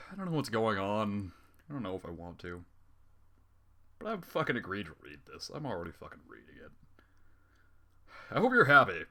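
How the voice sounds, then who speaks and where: Guy reading a story out loud, super animated pitch, sarcastic and fed up, swears a lot in his side comments. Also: moderate pace, pauses often. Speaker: fan fiction reader. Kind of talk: reading a story aloud with exasperated running commentary.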